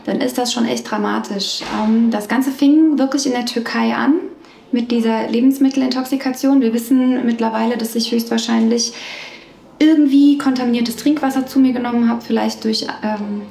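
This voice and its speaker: A woman's voice: on the high side, fairly even intonation, normal speed, vocal fry, dark tone. Candid woman in an echoey room. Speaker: vlogger. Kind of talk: casual storytelling to camera. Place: small bright treatment room.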